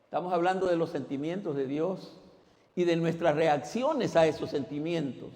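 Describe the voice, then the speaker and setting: High-voiced preacher in a reverberant church. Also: male voice, normal speed. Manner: emphatic, swinging between loud exclamations and quiet asides; questions the congregation directly. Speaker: pastor. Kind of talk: sermon. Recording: long reverb in a church hall.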